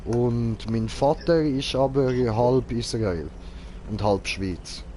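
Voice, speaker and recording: This streamer from Switzerland talks slowly in a medium, slightly mellow voice, with a little hiss or hum behind him. His live gaming commentary is casual and goofy, full of slang and broken grammar.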